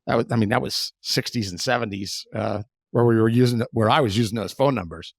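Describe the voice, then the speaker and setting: A man in his sixties co-hosting a podcast, talking in a chatty, animated way that often trails off. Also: lowish voice, brisk, vocal fry, no echo, clean studio sound. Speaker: podcast co-host. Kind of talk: casual podcast chat.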